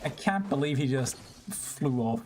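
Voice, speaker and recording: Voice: medium pitch, expressive, measured pace, noisy background. A streamer giving casual gameplay commentary, chatting with viewers between frustrated yelps and swearing.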